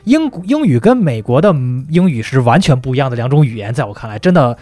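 A man's voice: medium pitch, sing-song, fast, a little mellow, no room sound. A man chatting as a podcast guest, telling stories and dropping English phrases into his talk. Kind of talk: casual chat.

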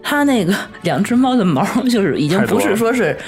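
A woman's voice: mid-range voice, big pitch swings, a little fast, a little mellow. A woman with a Beijing accent in casual chat, making her points emphatically with playful complaint. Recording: music bed behind the talk.

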